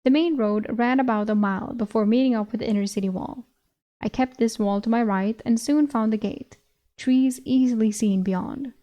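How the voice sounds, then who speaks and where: Swedish girl reading a fantasy book out loud, kinda high voice, giggly, chats between bits. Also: moderate pace. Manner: giggly, breaks into laughter. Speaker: vtuber reading a novel aloud. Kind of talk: audiobook reading with commentary.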